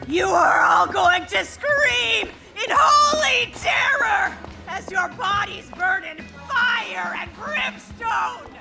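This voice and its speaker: A woman's voice: extremely high pitch, lively intonation, creaky, loud music behind the voice, heavily acted. An actress playing a crazed, fanatical street preacher woman in an audio horror drama, accusing and drawing out her words. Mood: furious, fanatical. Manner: fanatical, accusing, drawn-out shouting.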